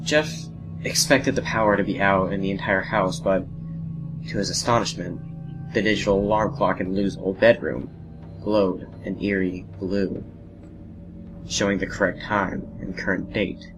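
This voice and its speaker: A man with a low voice narrates a horror audio drama. His delivery is measured and dramatic, with pauses between phrases, and music plays clearly underneath him. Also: fairly even intonation, low-quality recording. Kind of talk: scripted horror story narration.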